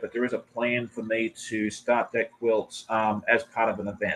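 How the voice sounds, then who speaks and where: A man with an Australian accent speaks at medium pitch and a moderate pace. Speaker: sewing and quilting YouTuber. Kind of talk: casual live-stream interview. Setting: online live stream video call. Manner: hesitant, many fillers.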